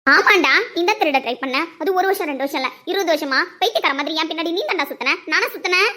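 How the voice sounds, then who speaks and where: A woman's voice: extremely high pitch, quick pace, pushed and bright. A woman playing a stubborn young wife in an amateur audio drama, with defiant, taunting retorts.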